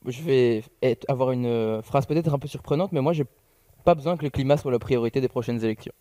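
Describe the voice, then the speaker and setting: Young francophone man, youth politician; rapid, emphatic, dark-toned delivery in a dry recording. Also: mid-range voice, no echo. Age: young adult. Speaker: political youth-wing leader, debate panelist. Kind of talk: political debate speech.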